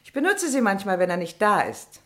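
An actress playing a cool, self-possessed neighbour under police questioning in a German crime radio play. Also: female voice, medium pitch, big pitch swings, brisk, close to an everyday voice. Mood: cool, composed.

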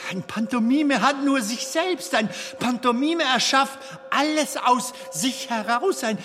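A man's voice: very high voice, unhurried, sharp tone, full character voice. A man playing a playful, eager comedian in a theatrical audio drama, coaxing and teasing his companion. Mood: playful, enthusiastic. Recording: long reverberant hall, music behind.

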